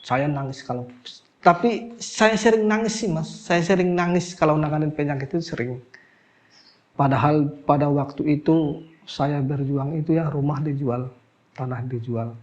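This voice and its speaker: A middle-aged man telling a personal story in casual speech. He acts out the people he quotes and his voice drops low and soft as he talks about crying. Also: moderate pace. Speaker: alternative healer.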